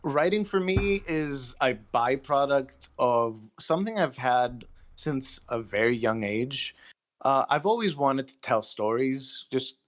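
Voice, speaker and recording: Man chatting in mid-range voice, thoughtfully halting. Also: medium pitch, expressive. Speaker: writer being interviewed. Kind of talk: casual interview chat.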